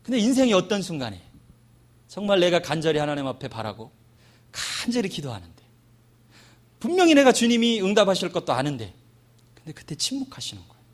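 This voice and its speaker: Male missionary pastor mid-sermon, bright high register, swooping animated delivery, acts out quotes. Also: brisk, pauses often. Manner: animated, dramatic, asks the congregation to respond; acts out quoted voices with loud shouts. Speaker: missionary preacher.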